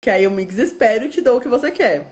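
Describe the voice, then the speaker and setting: A woman's voice: a little high, lively intonation, fast, a little mellow, dull audio. A Brazilian woman, a guest specialist, explaining step by step and acting out what parents and children say. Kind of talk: explanatory interview talk.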